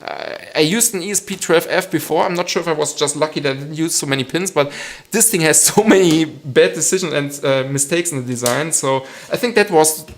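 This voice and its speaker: Man, German accent, 30s, slightly high voice, hesitant, chuckling, live Q&A host. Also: a little fast. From western Germany. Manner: hesitant, many ums, chuckles often. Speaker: hobby maker hosting a live stream. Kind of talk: live stream Q&A, casual chat.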